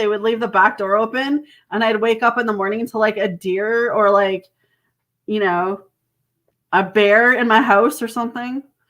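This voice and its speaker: On a very clean recording with a silent background, a woman with a Canadian accent talks at a fairly high pitch in a bright, sharp tone with ordinary pitch variation. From Canada. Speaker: tarot reader. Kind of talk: live stream chat. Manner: casual.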